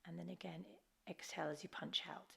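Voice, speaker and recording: A woman guiding a Kundalini yoga class as the teacher, giving gentle, encouraging, unforced instructions. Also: on the low side, fairly even intonation, brisk, creaky, husky.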